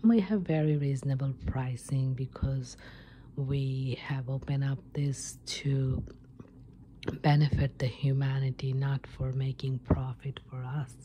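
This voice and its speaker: A woman playing an obliging receptionist at a wellness retreat in an ASMR role play, whispering haltingly. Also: rumbling low, fairly even intonation, dark tone, a little hiss or hum. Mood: soothing, informative. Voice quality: breathy whisper. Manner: halting, unhurried explaining.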